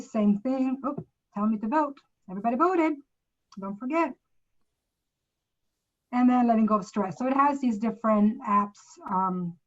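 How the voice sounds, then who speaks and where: Her voice is a little high, and the recording cuts off the highs. She presents from Sweden, walking viewers through apps on a shared screen with a Swedish accent, chatty, relaxed, and frequently self-correcting.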